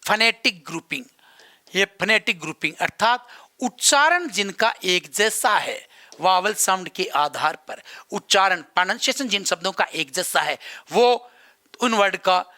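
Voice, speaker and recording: A man's voice: high voice, expressive, unhurried, sharp tone. A man lecturing an exam-prep class, repeating key terms and mixing English words into his explanations. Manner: gives examples and writes on a board while talking. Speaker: teacher.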